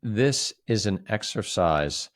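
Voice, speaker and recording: A man co-hosting a literary discussion, speaking emphatically and haltingly, often repeating words as he reflects. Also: fairly low pitch, animated. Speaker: co-host.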